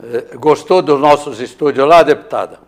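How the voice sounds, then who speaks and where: A man's voice: fairly high pitch, normal speed. A man from Maranhão hosting a live morning interview. He asks long, rambling questions full of fillers and restarts. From Maranhão, Brazil. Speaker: host of a morning news show.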